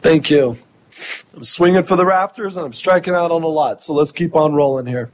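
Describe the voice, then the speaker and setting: A man's voice: a little high, fairly quick. A man chairing a public committee meeting, loose and self-deprecating, a bit flustered as he runs the agenda.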